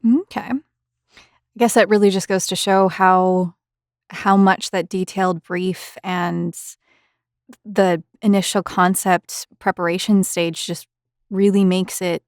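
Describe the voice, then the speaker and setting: A woman's voice: medium pitch, fairly even intonation, takes it slowly, a little mellow, dry recording, clean studio sound. A woman hosting a conversational interview, reading out questions and responding to the answers. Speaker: interviewer, host.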